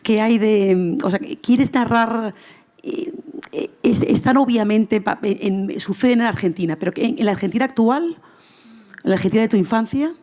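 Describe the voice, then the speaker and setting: A woman moderating a live literary panel in conversation, halting and rephrasing as she puts her questions. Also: a little high, darkish tone.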